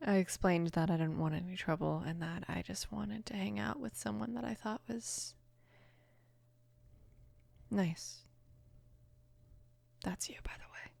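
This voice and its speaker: Playing the protective, casual daughter of a mafia boss in an ASMR roleplay, a roughly twenty-year-old woman murmurs low and slips often into breathy whispers. She sounds calm and confiding, level in tone, hesitant and unhurried with small pauses. It's recorded dry on a close mic, with no room sound.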